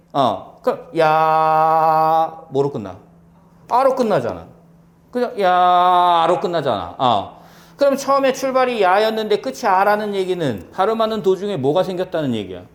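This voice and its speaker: A male lecturer teaching exam prep, firing rhetorical questions and answering them himself, repeating key points for emphasis. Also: sits high. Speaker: civil service exam Korean lecturer.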